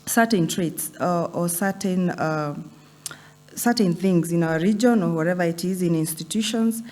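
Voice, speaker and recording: A woman, a talk show guest, speaking softly and laughing easily as she tells a story. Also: fairly low pitch, moderate pace. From Kenya. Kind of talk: casual studio chat.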